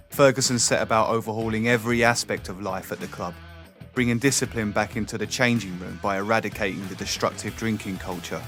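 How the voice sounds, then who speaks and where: A man's voice: fairly low pitch, fairly bright tone. Male narrator over music. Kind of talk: scripted documentary narration. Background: music bed.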